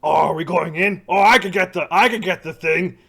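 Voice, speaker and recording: A man voicing an eager, invisible, flying tentacled creature that talks in an excitable, chirpy way. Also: sits high, moderate pace, gravelly, pitched above the performer's own voice, exaggerated voice.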